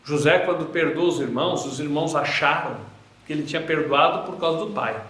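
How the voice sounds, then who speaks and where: High-voiced man teaching Bible class. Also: fairly quick, a bit bright. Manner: earnest, repetitive preaching cadence. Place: room with a projector, with listeners. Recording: roomy echo in a hall.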